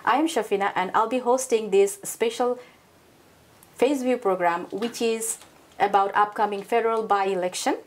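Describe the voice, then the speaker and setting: A woman hosting a TV studio interview, effusive and halting, with frequent uhs. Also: mid-range voice. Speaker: TV host.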